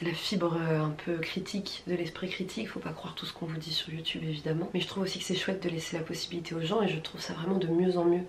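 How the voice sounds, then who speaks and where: A French woman chatting casually in a vlog, her voice husky with a smoker's rasp. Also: on the low side, level tone, fast talker, few pauses, echoey room, a little hiss or hum. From France, from Rouen. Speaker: vlogger.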